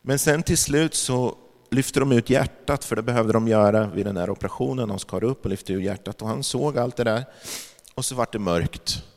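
A man sharing a spiritual testimony in a sermon-like talk, telling the story reflectively with pauses and fillers. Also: medium pitch. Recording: long hall reverb.

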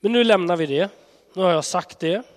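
A man preaching in an earnest, conversational way, his voice affected by a cold. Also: high-pitched. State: has a cold. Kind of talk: sermon. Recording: long hall reverb.

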